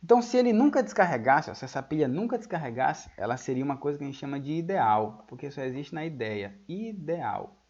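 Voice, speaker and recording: A male physics teacher giving a classroom lecture, explaining patiently, checking whether the students follow, and dictating key terms slowly for notes. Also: fairly high pitch, sing-song, darkish tone. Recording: dull lo-fi audio.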